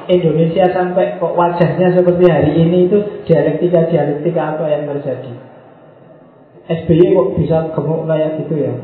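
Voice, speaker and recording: A man gives a casual philosophy lesson, teasing his listener and slowing down to stress key words. His voice sits a little high. The recording is tinny and phone-like, with heavy room echo. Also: steady tone. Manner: casual, teasing explanations with slow emphatic stretches. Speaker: philosophy teacher.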